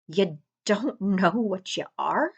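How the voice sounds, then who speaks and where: A woman voicing a huge, gruff, hot-tempered wizard man from a storybook, blunt and emphatic, with drawn-out words. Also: mid-range voice, lively intonation, highs cut off, exaggerated voice. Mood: bewildered.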